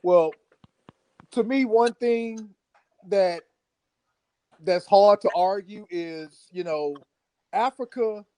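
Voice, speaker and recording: A man with a high-pitched voice takes part in an informal debate. He speaks in halting phrases and disagrees firmly, sticking to his point. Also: a little mellow, clear, resonant tone, dry recording, poor audio. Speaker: debate participant.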